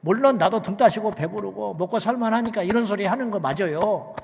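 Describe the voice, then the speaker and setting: A man with a high-set voice delivers a sermon as a pastor, pushing hard on key lines and pulling back to a hush. His words ring out with a long tail of reverb, as in a large church sanctuary. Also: brisk, gravelly. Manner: emphatic, swings from hushed to loud, rhetorical questions.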